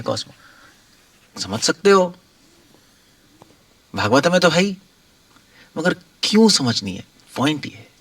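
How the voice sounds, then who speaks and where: A man's voice: mid-range voice, creaky, a bit bright, no room sound, far from the mic. A monk giving informal spiritual guidance in a conversational way, repeating his points and chuckling now and then.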